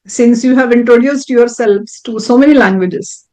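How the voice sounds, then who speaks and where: A woman's voice: a little high, normal speed, dark tone, low-quality recording. A woman hosting an interview show, reading introductions and putting questions to a guest. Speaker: host.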